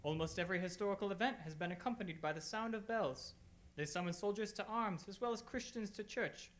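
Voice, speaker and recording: A woman playing a composed, learned male detective in a radio play, speaking in a measured, formal, lecturing way. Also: medium pitch, lightly acted. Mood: composed, musing. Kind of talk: radio theatre acting.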